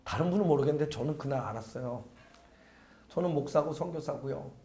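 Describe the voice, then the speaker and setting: A middle-aged male pastor preaching a sermon, telling a story dramatically, swinging from loud urgency to a hushed near-whisper. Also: fairly high pitch, brisk.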